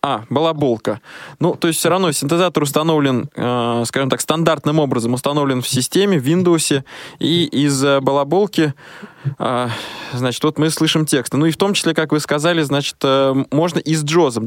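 A man's voice: a little high, no room sound, clean studio sound. A man hosting a radio interview, asking questions in a polite, hedging, hesitant way. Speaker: radio show host and interviewer.

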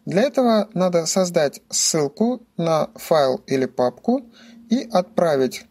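A man's voice: a little high, big pitch swings, measured pace, darkish tone. A man giving scripted instructional narration as a tutorial presenter, explaining things methodically, step by step.

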